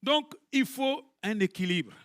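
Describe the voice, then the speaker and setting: A high-voiced, bright middle-aged man preaches, dry and close to the mic. He is animated and playful, jumping from loud bursts to near whispers. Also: a little slow, dry recording. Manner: animated, swings from loud to hushed, jokes with the congregation. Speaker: pastor. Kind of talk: lively sermon.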